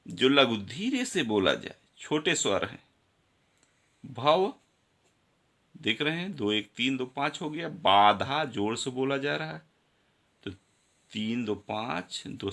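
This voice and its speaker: A man's voice: mid-range voice, big pitch swings, slow, gravelly, pauses often, fairly bright tone. A male teacher giving a grammar lesson, counting syllables aloud and speaking directly to his students.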